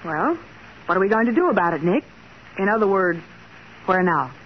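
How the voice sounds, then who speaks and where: An old, muffled radio recording with faint noise features a spirited young American secretary acted by a woman. She is perky and inquisitive, her pitch leaping around in 1940s drama style. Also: very animated, moderate pace, close to an everyday voice. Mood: thoughtful, questioning.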